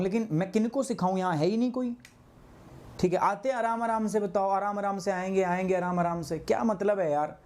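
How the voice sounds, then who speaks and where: A man with a high-sitting, dark-toned voice teaches a live online class, chatting and scolding by turns. He mixes Hindi and English, keeps checking in with his students, and often says "ठीक है".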